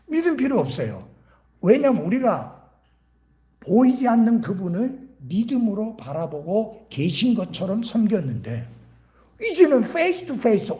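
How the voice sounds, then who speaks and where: A male revival preacher with a lively, swooping delivery. He keeps asking the congregation questions, then sinks to a hushed whisper to make a point. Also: high voice. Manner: animated, rhetorical questions, drops to a whisper. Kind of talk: sermon.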